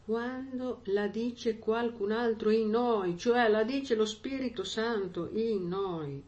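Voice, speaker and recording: A woman's voice: fairly high pitch, slow, darkish tone, lo-fi sound. A woman preaching a sermon in a conversational way, often checking in with her listeners with little asides.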